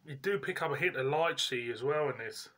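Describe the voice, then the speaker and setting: A man, giving a casual, chatty review in colloquial, halting phrases as host. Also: on the high side, fairly bright tone. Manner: informal, colloquial, pauses mid-sentence. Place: indoors, living room at home.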